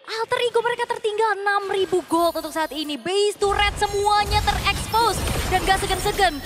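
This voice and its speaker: A woman's voice: very high-pitched, normal speed. A woman with an Indonesian accent giving analytical esports commentary. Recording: loud music behind the voice. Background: loud music.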